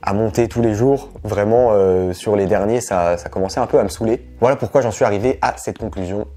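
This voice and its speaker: A man's voice: fairly low pitch, fairly quick, mellow, soft background music. A young man with a cold talks casually to camera, rambling with lots of fillers. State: stuffy, has a cold. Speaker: travel vlogger.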